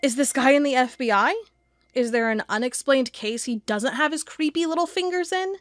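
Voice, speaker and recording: Actress as obsessive female investigator, audio drama. Fairly high voice, suspicious, emphatic, talking to herself. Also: moderate pace, no room sound, clean studio sound, faint music behind, natural voice. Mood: agitated, angry. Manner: thinking aloud, emphatic, muttering to herself. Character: agitated, suspicious woman investigator, sharp-tongued and obsessive.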